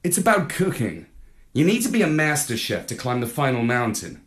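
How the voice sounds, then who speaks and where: A man's voice: mid-range voice, very animated, normal speed, natural voice. A man doing a laid-back storybook chap. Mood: matter-of-fact.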